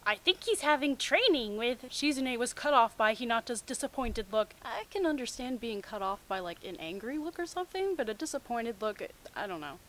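A young woman with a fairly high voice reads amateur fiction aloud. She breaks off for sarcastic, incredulous commentary in a conversational way. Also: lively intonation, a little fast, hardly any pauses, a little hiss or hum, rough recording. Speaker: host of a comic fan fiction reading series. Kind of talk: reading fan fiction aloud with mocking commentary.

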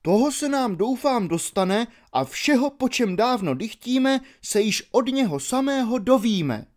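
A man doing an eager young Roman, high and exclaiming. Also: animated. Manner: raised, eager, exclaiming delivery. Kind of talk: audiobook reading of a classical dialogue.

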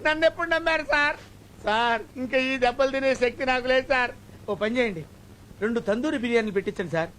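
A whiny comic servant. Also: male voice, extremely high pitch, quick pace, fairly bright tone, slight background noise. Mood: wheedling. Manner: whining, pleading, wisecracking. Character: cringing comic male servant, whiny, scheming. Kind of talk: comedic Telugu film dialogue. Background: film score.

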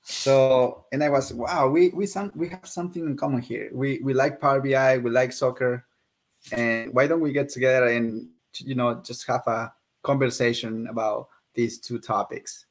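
A man's voice: mid-range voice, steady tone, moderate pace. A young man from Peru hosting a casual interview over a video call, talking in a friendly, conversational way. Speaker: interview host.

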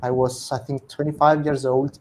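A young man from Cyprus with a Greek Cypriot accent, talking casually on a video call through an earphone mic as a guest, relaxed and thoughtful. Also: mid-range voice, moderate pace, slight background noise. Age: young adult. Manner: relaxed, thoughtful, self-correcting. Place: home room. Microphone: earphone headset on a video call.

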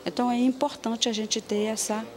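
A woman's voice: fairly high pitch, steady tone, fairly quick, crowd noise. A woman deputy mayor giving an interview indoors, talking conversationally with fillers. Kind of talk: interview soundbite.

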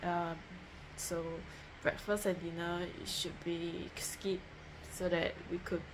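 A woman's voice: lowish voice, little pitch movement, slow. A young woman chatting casually into a phone at home, matter-of-fact and rambling, with lots of fillers and restarts. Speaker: vlogger. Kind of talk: casual diet vlog to camera. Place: home, indoors. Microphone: phone held close at arm's length. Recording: noisy home phone recording.

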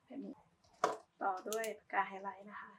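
A woman's voice: mid-range voice, little pitch movement, normal speed, very noisy. A woman giving a casual, polite step-by-step craft tutorial, talking as she demonstrates. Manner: informal, polite, talks while demonstrating.

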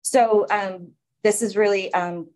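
A woman's voice: medium pitch, fairly even intonation, slow, a little mellow. A woman from the Philippines facilitating a public city commission meeting, explaining informally with many fillers.

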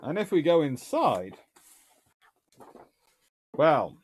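A man's voice: on the high side, sing-song, extremely slow, husky. A man, casually answering viewer questions from a home study, chatty and wry with dry humour. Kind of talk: casual livestream Q&A. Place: small home study with bookshelves.

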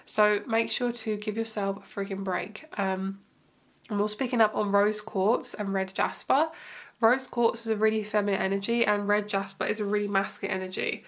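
Stuffed up from hay fever, a young tarot reader chats through a reassuring, casual reading to camera, using lots of fillers. She speaks at normal speed with a medium pitch and fairly even intonation, indoors with the table shown from above.

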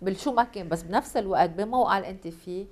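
A woman's voice: medium pitch, rapid-fire. A woman with a Lebanese accent hosting a television faith talk show, preaching and encouraging her guest. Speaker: host.

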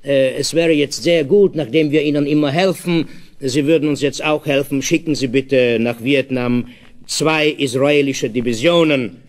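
A man's voice: mid-range voice, lightly acted. A hesitant envoy hems and haws through a polite request, as a man plays him. He halts and stalls on fillers. It is told as a live stage joke. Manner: halting, full of fillers.

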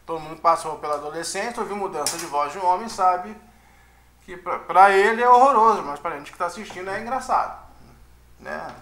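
There's a roomy echo as a man teaches music in a casual online lecture, his voice high-pitched, brisk, bright and forceful. He chats along, frequently checking in with listeners via tag questions.

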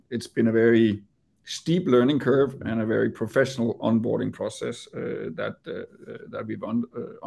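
Danish businessman presenting to investors on a video call; raspy, gravelly voice, halting delivery. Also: on the low side, darkish tone. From Denmark. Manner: hesitant, repeats words while speaking. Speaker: company executive.

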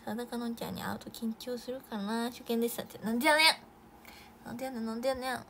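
Young woman, idol live stream chat, slightly high voice, gravelly, excitable, faint background hum. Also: racing. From Japan. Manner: chatty, bursts into high excited exclamations and soft whispers. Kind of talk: casual live stream chat reading comments.

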